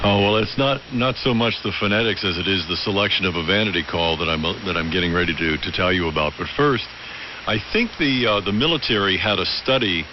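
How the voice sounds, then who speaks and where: A man's voice: sits low, lo-fi sound. A man chatting unscripted as an amateur radio operator, musing and discursive, feeling his way through sentences. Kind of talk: unscripted ham radio conversation. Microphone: radio transmitter audio heard over the air. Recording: hissy, band-limited AM radio transmission.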